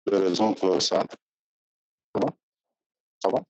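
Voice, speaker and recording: A man on a video call whose audio crackles and breaks up, talking in a slow, halting way. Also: low-pitched, flat delivery, a little mellow. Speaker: workshop participant on a video call. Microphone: computer mic on a video call. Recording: muffled, distant, crackling call line with faint music.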